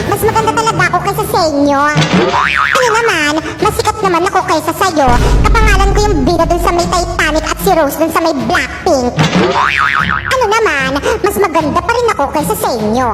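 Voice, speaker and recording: Bratty children, as a woman voices them, trade boasts and insults in a comedy skit. The voices sit extremely high, and loud music plays under them. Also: expressive, a little fast. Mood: taunting. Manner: taunting, boastful.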